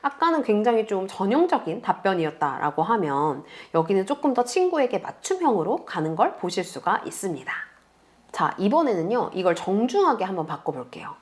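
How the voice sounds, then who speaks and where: A woman teaching beginners step by step in a calm, patient screen tutorial, speaking close to the mic. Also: medium pitch. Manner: patient, explains slowly to beginners. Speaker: online tutor.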